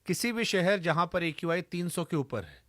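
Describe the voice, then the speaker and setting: A man's voice: high-pitched, lively intonation, moderate pace, fairly bright tone. A male interviewer with a slightly raised voice asks long, carefully framed questions. The sound is close and dry, with little room echo. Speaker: interviewer host.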